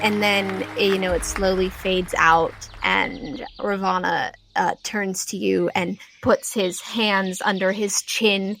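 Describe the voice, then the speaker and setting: A woman game master improvising tabletop adventure narration in an animated, informal way. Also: mid-range voice, slow pace, gravelly, hardly any pauses, soft background music.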